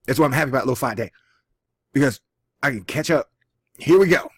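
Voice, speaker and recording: Brisk and animated, this Texan channel host has a husky mid-range voice and a Texas accent. He reads a science article aloud in a relaxed one-take vlog, cracking self-deprecating jokes along the way, and the lo-fi home audio is dry and close.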